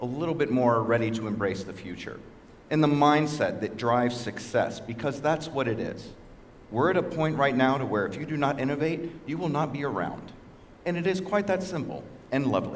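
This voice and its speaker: Amid audible room echo, a man with a Texan accent talks at a fairly quick pace and a fairly high pitch with lively intonation. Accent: American, Texan. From Texas. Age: 40s. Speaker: digital construction expert, conference speaker. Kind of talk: conference talk. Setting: stage with audience. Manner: fast; animated.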